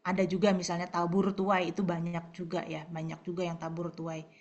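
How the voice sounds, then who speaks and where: A woman pastor preaching a sermon, swinging between loud emphasis and soft whispered asides. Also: fairly low pitch, little pitch movement, fairly quick. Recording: dull lo-fi recording.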